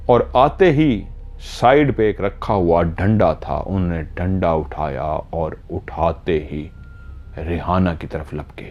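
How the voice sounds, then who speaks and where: A man narrating a horror story dramatically, rising in pitch and loudness at tense moments, on a dull lo-fi recording.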